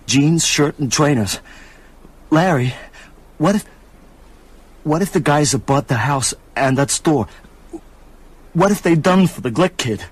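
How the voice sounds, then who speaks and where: A man's voice: a little high, animated, a little slow, pauses often, breathy edge. An actor in a radio drama playing an anxious, simple small-town working man, hesitant and plain-spoken.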